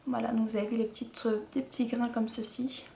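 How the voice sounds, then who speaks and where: A woman's voice: a little high, level tone, a little fast, vocal fry, warm tone, echoey room, a little hiss or hum. A woman from France, chatting casually through a shopping haul video, full of fillers and restarts. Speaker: vlogger.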